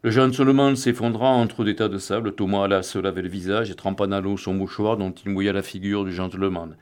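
Low-voiced male audiobook narrator. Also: fairly even intonation, fairly quick. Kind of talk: audiobook reading of a crime novel.

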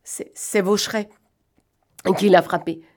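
A woman's voice: a little high, expressive, a little slow, pitched above the performer's own voice. A woman voicing a frightened young male accomplice who stammers in a trembling voice.

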